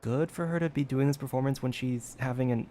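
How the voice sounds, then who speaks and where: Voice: mid-range voice, fairly quick, dark tone, a little hiss or hum. A game streamer giving casual, off-the-cuff commentary during a playthrough. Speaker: gamer, streamer. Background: game music.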